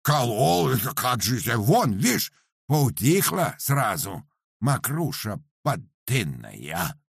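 A loud, high, slow-wailing superstitious peasant with a gravelly, husky edge; dry audiobook sound. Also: male voice, sing-song, no room sound, full character voice. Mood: indignant. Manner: loud wailing complaint, drawn-out words. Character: wailing superstitious peasant man, pious, self-pitying.

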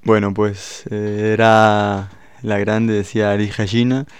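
A man's voice: lowish voice, flat delivery, slow pace, clean tone, no echo. A man hosting a radio show from a studio, talking in a playful, hesitant way with lots of restarts. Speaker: radio host. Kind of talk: casual radio chat. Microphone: studio microphone.

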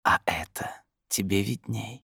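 Man voicing a hushed, insistent voice inside someone's head. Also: deep voice, animated, normal speed, slightly rough, no room sound, studio quality, heavily acted. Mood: quietly insistent. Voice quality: hushed, whispery. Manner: insistent, ironic, admonishing. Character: sinister disembodied inner voice, coldly insistent and mocking.

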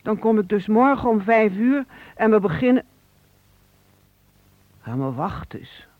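A woman's voice: mid-range voice, sing-song, unhurried, no room sound. Radio play: proud, lonely female pensioner, grateful but hesitant; narrow, tinny sound. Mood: moved, grateful.

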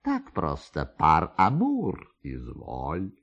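A man's voice: rumbling low, wildly swooping pitch, very slow, fairly bright tone, lo-fi sound, pitched below the performer's own voice, exaggerated voice. A man voicing a vain, self-satisfied major in a radio reading, exclaiming and muttering smugly to himself. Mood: smug, scornful. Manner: smug, exclamatory, talking to himself. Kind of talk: dramatised literary reading for radio.

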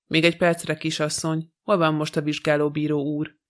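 A shrewd, unhurried detective, read out by a man with a somewhat high voice held very flat. His dry, composed remarks come in the same even tone as the narration of this storybook. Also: natural voice. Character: calm, shrewd middle-aged male detective.

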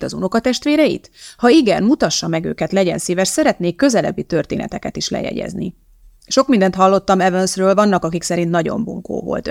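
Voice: medium pitch, creaky, no echo, studio quality. A reader voicing a nosy, awkward male journalist who pries and then apologizes. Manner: prying, fumbling, apologetic.

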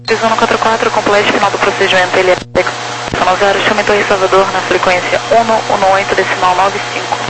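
A woman's voice comes over a noisy aviation radio. She is an approach controller instructing pilots over the radio, procedural and very even, with almost no movement in pitch. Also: fairly quick. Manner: procedural, flat. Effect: aviation radio transmission. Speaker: approach air traffic controller. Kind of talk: radio air traffic instructions.

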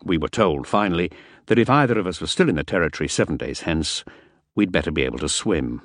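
A man reading a first-person novel aloud as an audiobook narrator, measured and wry. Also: sits low, animated, no echo, clean studio sound.

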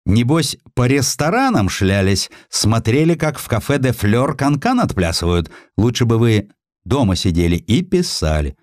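A man's voice: mid-range voice, very animated, normal speed, darkish tone, no room sound, clean studio sound, voice pushed up, close to an everyday voice. Man acting a scolding, pedantic old-school editor. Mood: scolding, grudging. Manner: indignant, scolding, exacting. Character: dry, pedantic, tight-fisted male magazine editor and colonel.

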